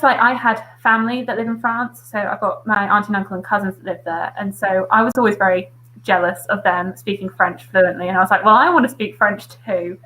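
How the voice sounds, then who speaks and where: A woman's voice: mid-range voice, a bit bright, slight background noise, low-quality recording. A woman hosting a casual video-call discussion, chatty, with a lot of "like" fillers. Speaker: host.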